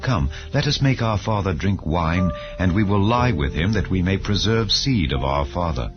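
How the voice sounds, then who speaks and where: A man voicing a scheming young woman, an elder daughter, solemnly and deliberately in a scripture audiobook. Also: sits low, expressive. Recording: dull lo-fi audio over music.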